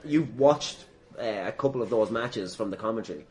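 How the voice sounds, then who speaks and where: A man's voice: mid-range voice, expressive, a little fast, a little mellow. A man interviewing in a casual podcast chat, bantering and swearing. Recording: faint background noise.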